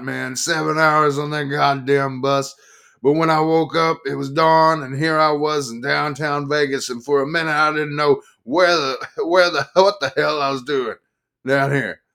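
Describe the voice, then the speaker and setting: A man voicing a rowdy, boastful drunk male biker fan who rambles loudly. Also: a little high, creaky, pitched above the performer's own voice, full character voice.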